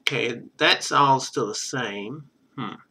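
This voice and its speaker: Bright-voiced man streaming a game. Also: mid-range voice, takes it slowly, vocal fry, slightly rough. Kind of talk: casual game commentary, thinking aloud.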